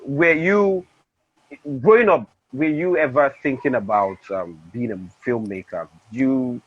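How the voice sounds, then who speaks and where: A man's voice: medium pitch, unhurried. A man with a Nigerian accent hosting an interview, talking to viewers with hesitant fillers. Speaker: interview host. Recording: dry, dull lo-fi sound.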